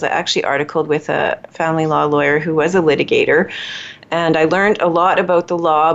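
Woman lawyer, low gravelly voice, measured and thoughtful, lo-fi audio. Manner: thoughtful, measured, many pauses with fillers. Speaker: collaborative family lawyer. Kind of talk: conversational interview answers. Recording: dull lo-fi audio.

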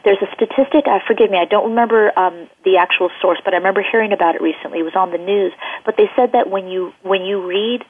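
A woman's voice: medium pitch, fast talker, slightly rough. A woman children's book author speaking in an interview, rambling along with many fillers and restarts. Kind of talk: casual interview over the phone. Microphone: telephone. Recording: tinny phone line.

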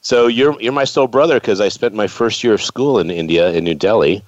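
Chatty and rambling, a U.S. man in his fifties hosts a casual interview chat. His voice is on the low side and brisk, recorded dry with a dull, lo-fi quality.

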